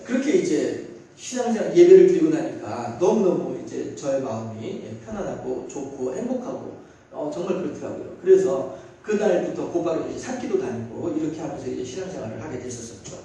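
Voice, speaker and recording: A man preaching a sermon as a pastor, lively, with many rhetorical questions and acted-out voices. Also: a little high, a little fast. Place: church sanctuary. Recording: very echoey church hall, mic at a distance.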